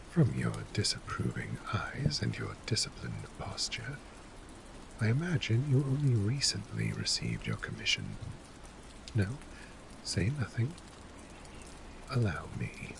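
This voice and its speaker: A man acts out a shrewd, jaded commander of a fantasy city guard in an ASMR role play. His male voice crackles with gravel and slips into breathy, whispered edges. He speaks very slowly and theatrically, with condescending weight, over faint rainy noise. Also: lowish voice, exaggerated voice. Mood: measured, wry. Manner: measured, theatrical, condescending, dramatic pauses.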